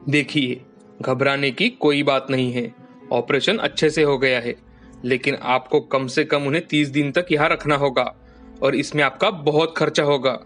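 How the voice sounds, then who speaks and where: An actor voicing a calm, businesslike hospital doctor who speaks in a measured, reassuring way. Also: male voice, medium pitch, faint music behind, natural voice. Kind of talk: cartoon dubbing.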